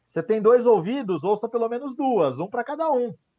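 A fairly slow delivery in a dark, mellow tone against a quiet background. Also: man. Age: 50s. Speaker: speaker and MBA lecturer. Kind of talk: interview. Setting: at home.

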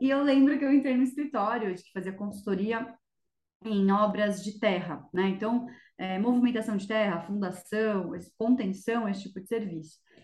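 A somewhat breathy woman with a fairly high pitch speaks with big swings in loudness. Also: ordinary pitch variation, moderate pace. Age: 30s. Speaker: civil engineer and franchise owner. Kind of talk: casual interview.

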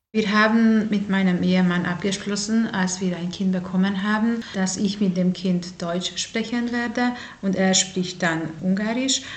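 With audible room echo and noticeable background noise, a woman talks at a fairly slow pace. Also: medium pitch for a woman, fairly even intonation, hardly any pauses. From Hungary, German-speaking minority. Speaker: parent. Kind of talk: interview.

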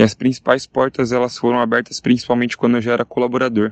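A man talks at a fairly quick pace, the sound dry and close with no echo. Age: 20s. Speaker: journalism student. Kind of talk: testimony. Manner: articulate.

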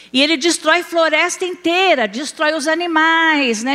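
Raising and projecting her voice, a woman speaks at a fairly slow pace. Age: 70s. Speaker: preacher. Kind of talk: sermon.

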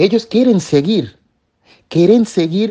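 Lively intonation marks this man's dark, mellow tone. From Senegal. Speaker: actor and activist. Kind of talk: interview. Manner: halting.

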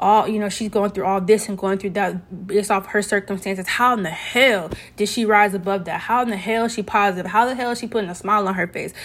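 Words come out at a very fast speed. Intonation remains fairly even throughout. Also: woman. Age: 20s. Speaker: podcast host. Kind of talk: casual monologue. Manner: casual, filler-heavy.

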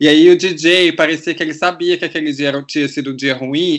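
This man's voice sits high in pitch for a man. His pace is moderate. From Brazil, Vitória, Espírito Santo. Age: 30s. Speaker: podcast listener guest. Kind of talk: casual chat. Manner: animated.

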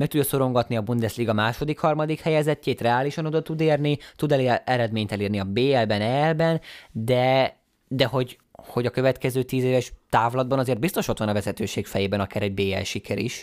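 An unremarkable speaking voice at a fairly quick pace, ordinary pitch variation, very clean recording with a silent background. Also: man, medium pitch for a man. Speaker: sports podcast host. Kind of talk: casual chat.

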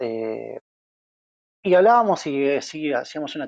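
In an Argentine accent, a man with a fairly high pitch talks at a fairly slow pace in a dry, close sound with no echo. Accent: Rioplatense Argentine Spanish. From Argentina, western Greater Buenos Aires. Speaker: audiovisual and radio producer. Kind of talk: casual interview chat.

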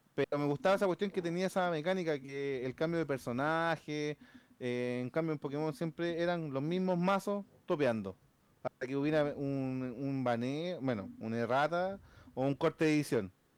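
A man talks at a moderate pace. His fairly high pitch moves with lively intonation. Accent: Chilean. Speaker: card game player. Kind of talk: casual chat.

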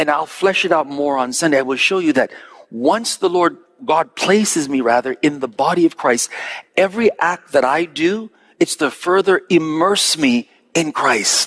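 In a plain, everyday voice, a man speaks at a moderate pace with fairly high pitch and lively intonation, the sound dry and close with no echo. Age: 50s. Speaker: pastor. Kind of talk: sermon.

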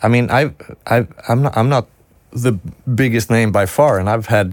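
In a very clean recording with a silent background, a man with a Swedish accent talks at a moderate pace and a fairly low pitch. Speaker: recording engineer and studio owner. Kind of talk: casual chat, interview. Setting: studio.

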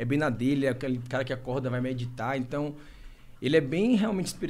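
A man at medium pitch, talking at a fairly quick pace, with audible room echo. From Bahia, Salvador. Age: 20s. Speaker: reality TV contestant. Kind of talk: casual interview.

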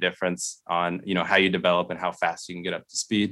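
A man in an American accent talks fairly quickly on a very clean recording with a silent background. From Oregon, Portland area (Beaverton). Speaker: new real estate agent. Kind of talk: coaching session. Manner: halting, many fillers.

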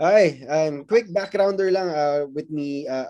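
A man speaks with a Filipino accent. His tone is dark and mellow. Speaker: podcast host. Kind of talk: casual chat interview.

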